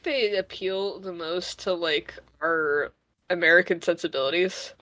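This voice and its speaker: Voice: mid-range voice, a little slow, bright, forceful tone, dry recording. A co-host chatting casually on a stream, rambling with lots of filler words and wry jokes. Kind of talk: casual chat.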